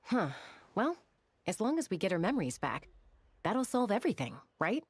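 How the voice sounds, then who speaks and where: A woman voicing a calm tribal woman in a video game cutscene who speaks in a reassuring way. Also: mid-range voice, moderate pace, breathy edge. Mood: dry.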